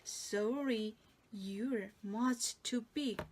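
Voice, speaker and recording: Woman as a helpful talking doorknob, highish voice. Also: very slow, a little mellow, slightly rough, heavily acted. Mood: apologetic. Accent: Korean.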